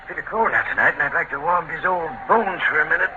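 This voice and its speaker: An actor playing an old friendly beat cop. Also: male voice, a little high, fast talker, natural voice. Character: older friendly beat patrolman on a cold night. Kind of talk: 1940s radio acting. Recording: dull hissy old radio recording.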